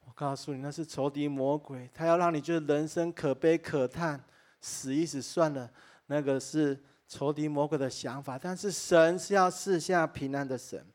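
A man preaches a sermon to his congregation, his voice sitting a little high for a man. He tells stories with earnest feeling and exclaims in wonder along the way. He often speaks straight to his listeners as dear friends. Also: steady tone, normal speed. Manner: addresses listeners directly and warmly as dear friends. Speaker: pastor. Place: church, preaching to a live congregation.

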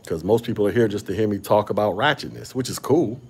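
A man's voice: fairly low pitch, fast, husky. A man hosting a casual podcast chat, talking with a slight stutter and frequent restarts. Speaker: podcast host. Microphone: podcast microphone.

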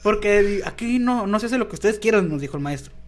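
A man's voice: high voice, fairly quick. A young man with a Mexican accent, co-hosting a casual podcast, telling stories full of slang and acting out what people said. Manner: animated storyteller, heavy slang, acts out quoted lines. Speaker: podcast co-host. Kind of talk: casual chat, storytelling.

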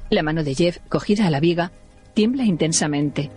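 A man's voice: on the high side, a little mellow, soft background music. Man narrating audio description. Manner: plain, measured, neutral.

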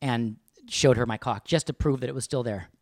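A man co-hosting a podcast, talking casually and animatedly with a fairly high register, swearing and laughing often. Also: brisk, darkish tone, no echo, studio quality. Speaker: podcast co-host. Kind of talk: casual chat.

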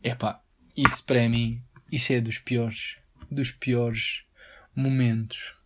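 A young adult man with a European Portuguese accent hosts a casual solo podcast, speaking slowly in a medium-pitched, level tone. He rambles, uses slang, and breaks into mock singing.

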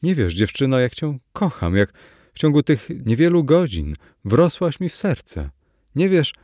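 A man's voice: lowish voice, animated, slow pace, warm tone, dry recording, studio quality. A man voicing a devoted, lovesick young painter in a storybook reading, speaking earnestly. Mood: pleading.

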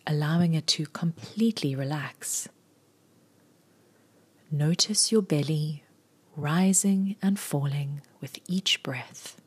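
A woman reads a scripted body scan meditation in a low-pitched, breathy near-whisper. Her soothing instructions come unhurried, in short phrases.

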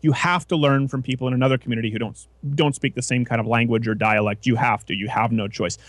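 A man's voice: medium pitch, steady tone, quick pace, dry recording. Opinionated male talk radio host. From Canada. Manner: opinionated, talks in long run-on explanations with restarts. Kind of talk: casual radio talk show chat.

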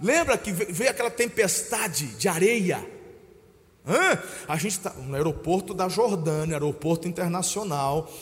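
A Brazilian man preaching a sermon, telling stories and calling his listeners brother, swinging between hushed moments and loud shouts. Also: high-pitched, expressive, unhurried, long reverb tail. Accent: Brazilian Portuguese. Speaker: pastor.

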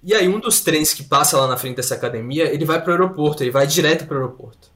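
A man's voice: a little high, quick pace. A man, telling mishap stories in a casual chat and laughing along as he goes. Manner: animated anecdote telling, laughing through stories.

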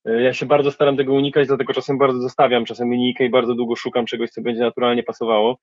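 A man's voice: mid-range voice, flat delivery, racing, darkish tone, no echo, lo-fi sound. A man, a rapper, answering interview questions in a reflective, colloquial way.

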